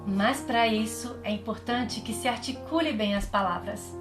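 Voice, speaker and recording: A woman with a Brazilian accent giving a drama lesson, explaining clearly and demonstrating. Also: fairly high pitch, moderate pace. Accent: Brazilian Portuguese. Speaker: drama teacher. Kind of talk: recorded online lesson. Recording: echoey room with faint music.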